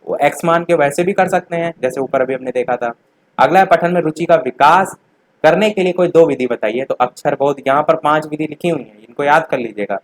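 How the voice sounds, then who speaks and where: A young male teacher with a slightly high voice works through exam questions one by one. He talks straight to his students and goes back over the key points to make them stick. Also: a little fast, low-quality recording. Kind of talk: exam revision lesson.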